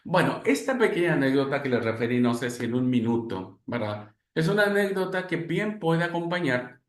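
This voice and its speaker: A male instructor leads a preaching class and tells stories with lively energy, often pausing on fillers. His voice sits a bit high for a man. The sound carries the ring of an echoey room. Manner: animated storytelling with many fillers.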